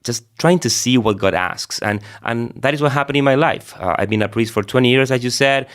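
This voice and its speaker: A middle-aged man with an Argentine accent, a Catholic priest telling his own story in a reflective, halting way as an interview guest. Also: medium pitch, a bit bright. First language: Spanish.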